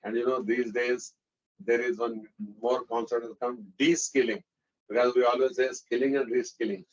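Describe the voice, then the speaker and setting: A man with an Indian accent speaking as a company executive on a conference call, explaining business in a halting, emphatic way with repeated words. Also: mid-range voice, little pitch movement. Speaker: company executive answering analysts on an earnings call. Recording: dull, band-limited conference call audio.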